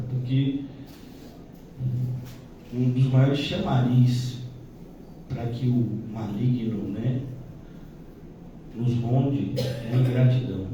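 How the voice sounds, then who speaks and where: A man's voice: medium pitch, highs cut off, noisy background. A male pastor teaching a Bible-study sermon in a conversational manner, dotted with "né?" asides. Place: church hall. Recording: echoey church hall, distant mic.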